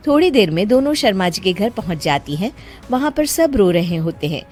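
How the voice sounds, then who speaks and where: A woman narrating a cartoon story in an even, storybook manner. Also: medium pitch.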